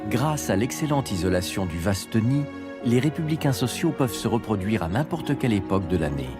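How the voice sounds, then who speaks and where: A man's voice: lowish voice, very animated, brisk. A man reading scripted narration for a nature documentary, with music behind him. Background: background music.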